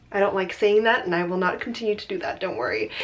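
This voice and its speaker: A woman is talking with a fairly high pitch. Behind her there is noticeable background noise. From Indonesia. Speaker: international student vlogger. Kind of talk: vlog tutorial. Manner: casual, conversational.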